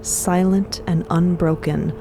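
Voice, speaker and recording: A woman's voice: on the low side, fairly even intonation, takes it slowly, creaky, background noise. A woman narrating a scripted audio drama in a dramatic style.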